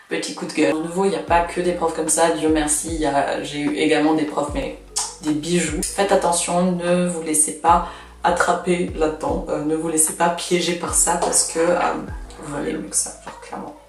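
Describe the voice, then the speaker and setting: A woman's voice: low-pitched, recorded from a distance. Young woman. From Russia. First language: Russian. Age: 20s. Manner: chatty, frank, lots of fillers. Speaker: vlogger. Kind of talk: casual advice vlog. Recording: echoey room, voice from off mic.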